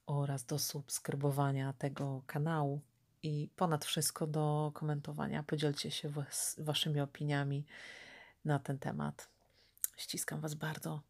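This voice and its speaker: A woman psychotherapist introducing her channel in a measured, earnest way. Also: deep voice, darkish tone.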